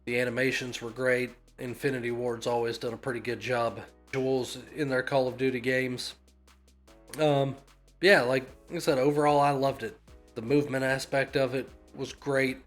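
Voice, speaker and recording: A man's voice: medium pitch, little pitch movement, moderate pace, faint music behind. Nasal stuffy-voiced man ranting about games. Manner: blunt, swears often, dismissive of complainers. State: nasal from a cold. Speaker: gaming YouTuber. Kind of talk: casual opinion rant.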